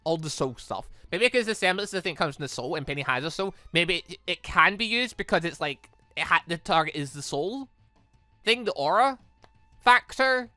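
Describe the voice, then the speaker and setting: Thinking out loud while reading visual novel lines aloud, this let's play host gives rambling, casual commentary, frequently repeating and rephrasing. The medium-pitched delivery is animated, at a normal speed with no echo, over game music.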